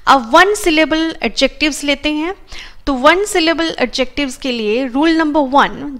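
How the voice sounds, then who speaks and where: A woman teaches grammar in an Indian English accent, going over each rule patiently and repeating her examples. Her voice sits high. She speaks at an unhurried, deliberate pace. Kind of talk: explaining a grammar lesson in Hindi with English terms.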